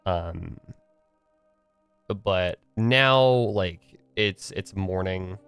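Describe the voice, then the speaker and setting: A man's voice: deep voice, extremely slow, gravelly, a bit bright, clean tone, no echo, soft background music. Stuffy young man chatting on stream. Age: young adult. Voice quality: tired morning voice. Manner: rambling, filler-heavy, restarts often. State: slightly stuffy, nasal from a cold. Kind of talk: casual solo chat to a live stream.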